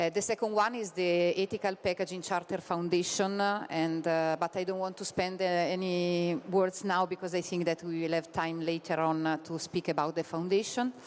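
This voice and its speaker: A woman speaks with an Italian accent at a fairly low pitch. She keeps a moderate pace with hardly any pauses. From Italy. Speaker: president of a packaging industry association. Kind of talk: panel discussion at a conference. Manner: hesitant, many fillers.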